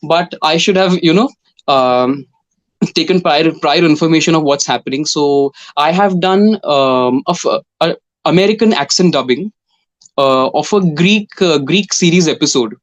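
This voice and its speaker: Indian english man, fairly high voice, thoughtful pauses, interview answers. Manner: thoughtful, measured, many pauses and restarts. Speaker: voice and dubbing artist, French interpreter.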